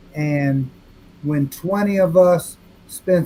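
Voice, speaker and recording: A dark, mellow tone carries fairly even intonation. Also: man. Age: 60s. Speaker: game show contestant. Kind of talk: personal storytelling.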